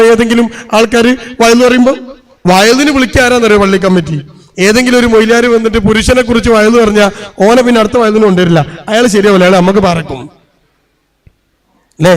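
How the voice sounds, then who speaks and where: High-voiced male preacher. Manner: rhetorical questions to the audience, acts out quoted voices. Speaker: Islamic preacher. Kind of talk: Islamic sermon with storytelling.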